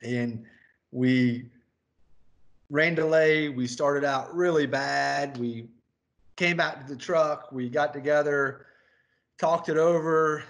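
A man's voice: on the high side, steady tone, slow pace, long pauses, a bit bright. A man, a crew chief, chatting casually with his race engineer and telling a rambling story with laughter. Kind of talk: casual chat interview.

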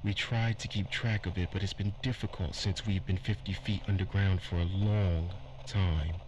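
An actor playing a weary, earnest survivor recording a grave, halting log in a post-apocalyptic audio drama. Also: male voice, sits low, fairly even intonation, natural voice. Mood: solemn, hopeful. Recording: noisy ambience behind the voice.

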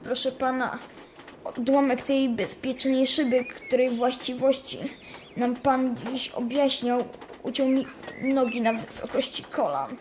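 A woman's voice: high-pitched, fairly even intonation, a little slow, darkish tone, a little hiss or hum. A woman voicing a timid, polite injured schoolboy in a radio play, speaking hesitantly. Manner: hesitant, stammering. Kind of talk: radio drama acting.

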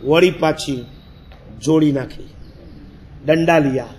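A high-pitched man tells a story from the pulpit in lively sermon fashion. He acts out what he once said to himself, letting his voice rise and fall with the telling, and chuckles along the way. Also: slow pace, slight background noise. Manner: animated storyteller, acts out his own past words, laughs. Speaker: Jain monk.

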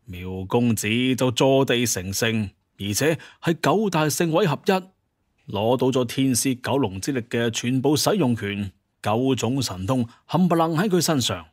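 A man narrating a scripted story in colloquial Cantonese, with an expressive storyteller's delivery. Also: mid-range voice, unhurried, no echo, studio quality. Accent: Hong Kong or Guangdong Cantonese.

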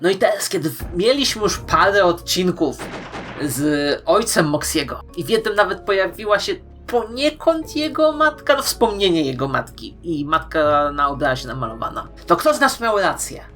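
A woman presents fan commentary straight to her viewers. Her voice sits fairly low for a woman, and she talks playfully with strong emphasis and dramatic pauses. Soft music runs faintly behind her. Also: lively intonation. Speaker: YouTube host.

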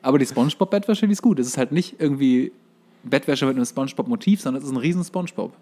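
Dude chatting on a podcast, mid pitch voice, informal cohost talk. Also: male voice, very fast, mellow. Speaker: podcast co-host. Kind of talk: casual chat between friends.

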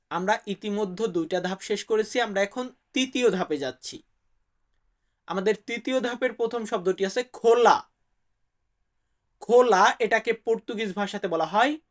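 This Bangladeshi language teacher has a high, slightly bright voice. He teaches vocabulary in a friendly way, calling viewers "brother" and repeating each word so they can say it back.

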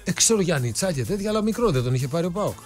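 A man's voice: fairly high pitch, animated, faint music behind. A man co-hosting a radio sports show, reading listener messages and asking puzzled questions. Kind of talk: casual radio banter. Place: radio studio.

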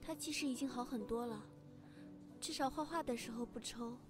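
A woman's voice: fairly high pitch, moderate pace, music in the background, close to an everyday voice. A young woman acting a caring, teasing younger sister in an audio drama. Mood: gentle. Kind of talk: fan audio drama dialogue.

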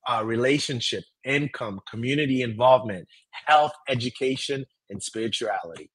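A man's voice: mid-range voice, normal speed, a bit bright, breathy edge. A man, a guest author, speaking in an upbeat way on a video call. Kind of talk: casual chat on a video call.

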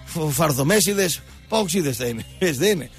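His voice is on the high side with a breathy edge as he hosts a radio sports show, rambling about football, mocking freely and telling animated, wandering stories. Soft music sits behind him on the studio microphone.

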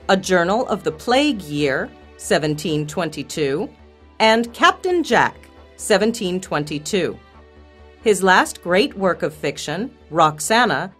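A woman narrating a biographical passage for a coursebook in a clear, informative way. Her voice moves with lively intonation, and faint music sits underneath. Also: medium pitch. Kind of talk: scripted narration.

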